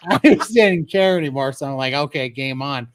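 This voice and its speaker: A man's voice: medium pitch, lively intonation, normal speed, very noisy. A man casually telling a funny story about himself, laughing often as he goes. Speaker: guest telling his weight-loss story.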